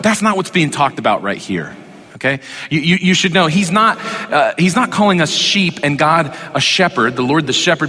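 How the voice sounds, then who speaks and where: A man's voice: mid-range voice, bright, forceful tone. A man preaching a sermon as a pastor, talking in a loose, joking, conversational way straight to the congregation. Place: church sanctuary. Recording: long reverb of a church hall.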